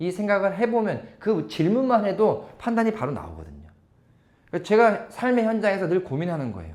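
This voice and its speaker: A man with a high-pitched voice speaks at a fairly quick pace with lively intonation. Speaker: pastor. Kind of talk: sermon. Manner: slurred at times; conversational.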